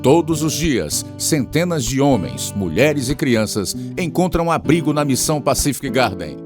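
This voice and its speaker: Male announcer, Brazilian accent, scripted dramatic narration, mid-pitched, expressive melody, clear music bed. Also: moderate pace. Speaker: radio program narrator and announcer.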